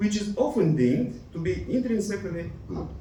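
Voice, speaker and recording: A man with a Romanian accent speaks at a moderate pace in very wide pitch swings, with audible room echo and noticeable background noise. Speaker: academic conference speaker. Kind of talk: conference presentation. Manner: halting, many filler sounds.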